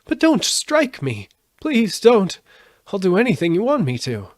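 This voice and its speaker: A man reads a storybook aloud, doing a full character voice pitched above his own for a meek, cowardly little old humbug wizard who trembles and pleads. His voice sits high with huge pitch swings and a slightly slow pace, conveying frightened pleading. The studio-quality recording has no room sound.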